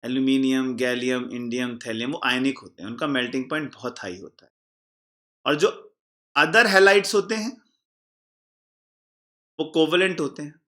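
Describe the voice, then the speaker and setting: A man teaching an exam-prep chemistry class, repeating key points, quizzing the class and answering himself. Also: on the high side. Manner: calls the students "children" warmly.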